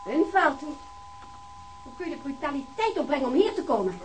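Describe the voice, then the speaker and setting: A woman's voice: high voice, sing-song, brisk, heavy background noise. A haughty, scornful upper-class lady. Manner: cold, scornful, disdainful. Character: haughty, aristocratic woman, the detective's sister. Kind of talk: radio play acting.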